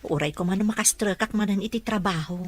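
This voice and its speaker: A woman playing a humble, hard-up mother and household helper in a radio drama, gentle and deferential. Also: medium pitch, fast, lightly acted. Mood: worried.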